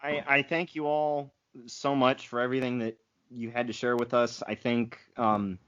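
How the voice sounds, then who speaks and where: A man hosting a podcast, thanking his guests in a measured, gracious way with some fillers. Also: mid-range voice, flat delivery, a bit bright, clear, resonant tone, dry recording, dull audio. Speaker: podcast host. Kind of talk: casual podcast chat.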